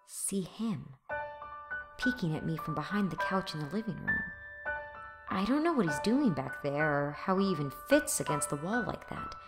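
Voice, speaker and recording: A young woman playing a sardonic, weary twenty-something who narrates an audio drama in a dry, conversational way. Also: on the low side. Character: wry, weary, sarcastic 24-year-old woman narrator. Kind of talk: first-person audio drama narration and dialogue.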